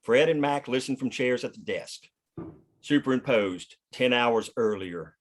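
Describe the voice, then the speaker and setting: Man, mid-pitched voice, scripted narration, screenplay stage directions, table read. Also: animated, measured pace.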